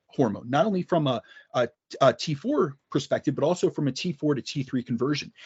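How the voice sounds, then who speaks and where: A man speaks at a very fast pace and a fairly high pitch. His voice is somewhat breathy, with lively intonation. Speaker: fitness coach and former bodybuilder. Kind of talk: podcast interview.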